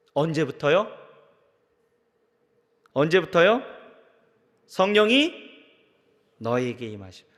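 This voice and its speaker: High-voiced Korean pastor preaching. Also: male voice. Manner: dynamic preaching with rhetorical questions and sudden drops to quiet. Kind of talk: sermon. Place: large church sanctuary. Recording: long church reverb.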